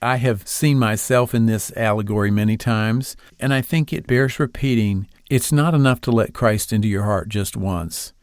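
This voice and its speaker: A man's voice: lowish voice, moderate pace, hardly any pauses, no room sound, clean studio sound. A man hosting a devotional podcast, reading aloud an allegory of his own in an earnest storytelling manner. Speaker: podcast host.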